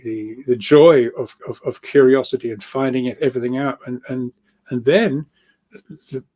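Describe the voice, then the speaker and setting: Mellow-voiced man, halting and rambling. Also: medium pitch. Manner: halting, repeats words, rambling, chuckles often. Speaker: guest speaker, researcher of earth energies. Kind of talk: informal spoken explanation of spiritual ideas.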